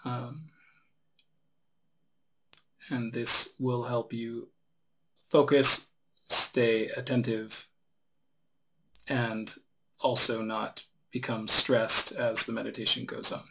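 Slow, gravelly male meditation guide. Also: mid-range voice, little pitch movement, bright, forceful tone, low-quality recording. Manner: unhurried instruction with long pauses. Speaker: meditation teacher. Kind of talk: guided relaxation meditation instruction.

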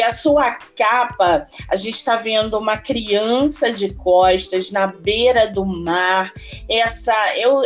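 A woman with a Brazilian Portuguese accent hosting a podcast interview, effusive and drawn-out in her speech. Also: mid-range voice. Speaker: podcast host.

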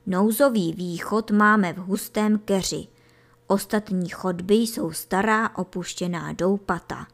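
A woman voicing a practical, brisk male rabbit in a storybook reading, speaking in a matter-of-fact way. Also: mid-range voice, natural voice.

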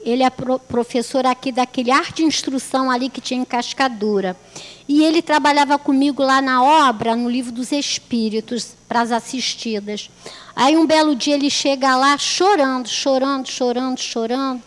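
A woman's voice: high voice, steady tone, moderate pace, in a large hall. A woman giving a religious talk, telling stories in a chatty way, repeating phrases and asking rhetorical questions. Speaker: lay speaker at a spiritist center.

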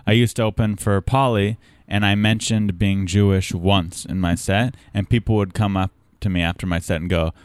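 Low-voiced, laid-back comedian. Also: male voice, steady tone, normal speed, few pauses, smooth, dry recording. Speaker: stand-up comedian guest. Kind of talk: casual chat.

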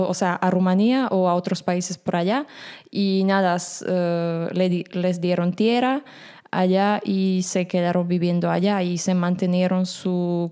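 A woman whose first language is Slovak, speaking as a podcast guest in a casual chat, pausing often with fillers. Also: on the low side, dark tone, smooth. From Slovak minority in Romania. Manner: hesitant, many fillers.

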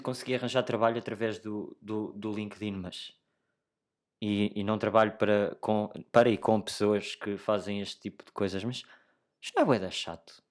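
A young adult man with a European Portuguese accent hosting a solo podcast in a casual, slangy chat, thinking aloud haltingly and addressing listeners directly. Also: on the low side. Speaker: podcast host.

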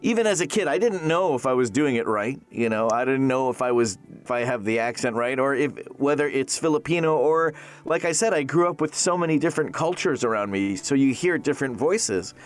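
A man's voice: mid-range voice, fairly quick, few pauses. A man, a Canadian-raised voice actor, chatting casually in an interview with lots of restarts and fillers. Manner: rambling, many restarts and fillers. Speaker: voice actor guest.

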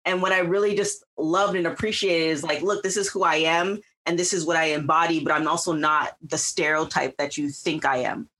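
Woman from Canada, co-host, lower pitch, chatty and filler-heavy. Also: fairly even intonation, fairly quick, few pauses, a bit bright. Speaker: interview host. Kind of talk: casual interview.

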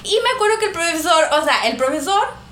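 A woman's voice: extremely high pitch, quick pace. A young woman with a Mexican accent, animatedly telling a personal story in a casual podcast chat, laughing often. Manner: animated, laughs often, acts out quoted voices. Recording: echoey room with faint noise.

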